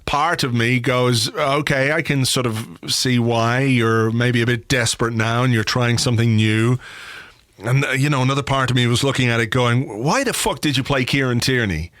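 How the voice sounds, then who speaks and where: A man hosting a football podcast with a cold that leaves him a bit croaky, chatting with a dry, sweary, self-mocking humour. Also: medium pitch, normal speed, a bit bright, dry recording. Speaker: podcast host. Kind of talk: casual football podcast chat. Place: home office. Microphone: studio microphone.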